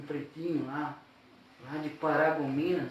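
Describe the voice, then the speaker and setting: A man is talking in a room with audible echo. Noticeable background noise can be heard too. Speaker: pastor. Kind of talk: testimony. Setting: house church gathering. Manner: hesitant, many fillers.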